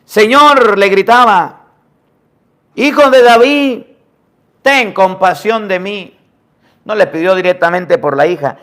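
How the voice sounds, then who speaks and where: A man preaching a sermon, asking the listeners question after question and dropping suddenly to a hush. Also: high-pitched. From Venezuela. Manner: emphatic preaching with rhetorical questions and sudden drops to near-whispers. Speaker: priest.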